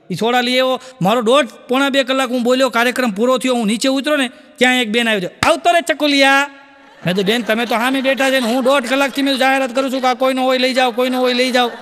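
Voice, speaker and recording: A man with a high voice does stand-up, racing through anecdotes and acting out the dialogue. His voice carries the long reverb of a live hall. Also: a bit bright. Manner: rapid anecdotal storytelling with acted dialogue. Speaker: stand-up comedian. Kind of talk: Gujarati stand-up storytelling.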